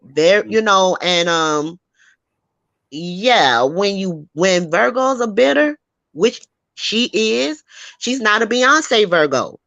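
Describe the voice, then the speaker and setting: A woman hosting a casual gossip chat, talking in an animated, sassy and emphatic way and laughing often. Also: medium pitch, slow, vocal fry, no room sound. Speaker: host.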